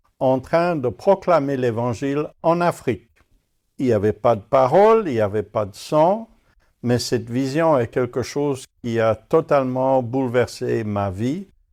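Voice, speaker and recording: In a very clean recording with a silent background, a man talks at a fairly slow pace with lively intonation. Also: medium pitch for a man. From Africa, English father and Swiss mother. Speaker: retired Salvation Army officer. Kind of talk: interview testimony. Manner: hesitant, many fillers.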